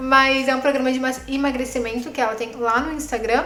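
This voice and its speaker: Amid noticeable background noise and audible room echo, a woman speaks at a high pitch in a monotone, flat intonation. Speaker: image consultant. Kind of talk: video commentary lesson.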